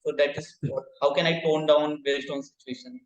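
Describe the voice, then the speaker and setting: A man's voice: on the high side, little pitch movement, normal speed, dull audio. A man with an Indian accent asking a question as a workshop participant, polite, wordy and a little hesitant. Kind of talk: spoken audience question. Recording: roomy, echoey online call.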